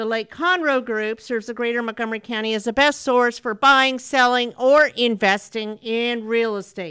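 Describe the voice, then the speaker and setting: Bright and sharp in tone, the voice moves at a moderate pace with an American accent. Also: woman. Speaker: radio host. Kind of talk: radio interview. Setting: studio.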